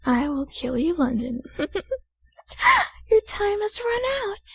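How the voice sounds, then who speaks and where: Woman voicing a swooping, high gloating villain spirit. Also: very animated, fairly bright tone, no room sound, exaggerated voice. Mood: gloating menace. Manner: drawn-out, gloating threats. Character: murderous female villain spirit, gloating and theatrical. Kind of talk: audio drama acting.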